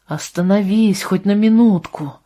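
A woman reading an audiobook, voicing a calm, patient young man who speaks low, restrained and soft. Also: measured pace, lightly acted.

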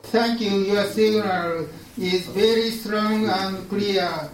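A man's voice: sits high, fairly even intonation, slow. A man from Japan running a school ham radio contact in formal call procedure, heard over a radio link with static bursts. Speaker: school radio club operator. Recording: distant echoey radio with noise.

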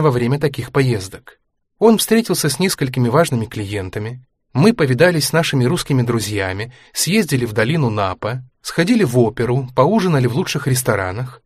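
A man reading a book aloud, voicing an aging former ballerina who is anxious, proud and sharp-tongued, in a higher, tense voice. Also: breathy edge, dry recording, clean studio sound. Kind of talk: audiobook character reading.

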